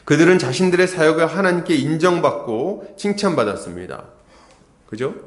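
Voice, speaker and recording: A man's voice: fairly high pitch, animated, moderate pace, echoey room. A male pastor preaching an expository sermon, often asking the congregation questions and acting out what people might have said. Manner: asks the congregation questions, acts out quotes. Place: church sanctuary.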